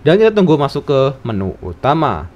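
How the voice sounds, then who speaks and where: A man's voice: medium pitch, big pitch swings, a little fast, darkish tone, highs cut off. A man narrating a scripted tech tutorial, giving instructions phrase by phrase.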